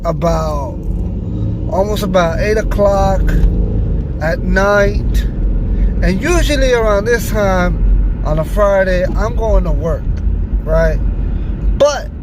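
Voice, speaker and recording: High-voiced man vlogging in a noisy car. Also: slow pace, pauses often. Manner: rambling, repeats words and doubles back. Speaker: vlog host. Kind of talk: casual solo vlog talk. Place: inside a car while driving on city streets at night. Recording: clear car and street noise. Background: car and traffic noise.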